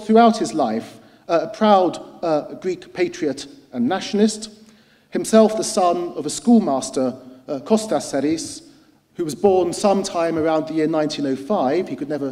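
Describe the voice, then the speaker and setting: A middle-aged man giving a formal lecture as a historian. He speaks in a measured, articulate way with frequent hesitant "uh"s. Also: on the high side, warm tone. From United Kingdom. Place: lecture hall at a cultural centre. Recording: long reverb of a large hall.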